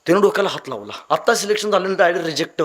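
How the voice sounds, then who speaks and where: A man delivers a motivational speech in a high voice. He tells his stories dramatically, rising into loud appeals and then dropping to hushed lines. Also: lively intonation, rapid-fire. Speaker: motivational speaker.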